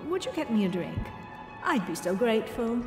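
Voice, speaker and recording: A woman's voice: fairly high pitch, very animated, fairly quick. Swooping, flirtatious society lady. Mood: flirtatious, playful. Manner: arch, playful, coquettish. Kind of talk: video game character dialogue. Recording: echoey hall, music behind.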